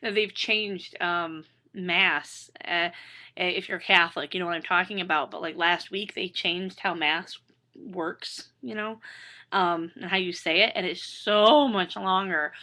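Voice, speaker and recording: A hoarse woman in her thirties chatting casually and rambling with self-deprecating asides. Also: fairly low pitch, a little slow, bright, forceful tone. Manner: self-deprecating, chatty, lots of fillers and restarts. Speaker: author reading her book.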